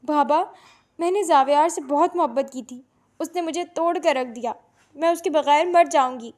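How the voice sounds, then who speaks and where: Woman doing a teary young girl screaming high, all heartbreak. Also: expressive. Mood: distraught. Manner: tearful, screaming.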